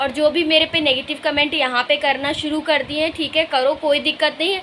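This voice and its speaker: A woman speaks in a raised, projected voice at a high pitch and a moderate pace. Her intonation is fairly even, and there is noticeable background noise. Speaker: vlogger. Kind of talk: casual vlog monologue. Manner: blunt, assertive.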